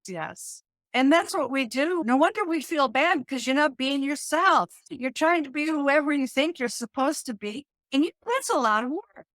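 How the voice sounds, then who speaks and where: Animated middle-aged woman with a dry sound. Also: sits high, moderate pace, dry recording. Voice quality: calming voice. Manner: animated, laughs often, restarts sentences. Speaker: guest, yoga teacher and hypnotist. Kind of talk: conversational interview.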